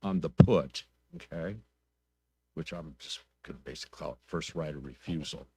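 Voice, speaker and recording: Low-voiced man questioning at a council meeting. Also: dark tone, husky, no echo. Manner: plainspoken, probing, deliberate. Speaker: city council member.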